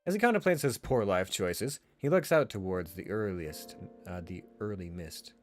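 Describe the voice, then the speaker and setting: Lively low-voiced man narrating a visual novel. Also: normal speed. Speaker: streamer reading a visual novel. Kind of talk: expressive narration with casual asides. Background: faint music.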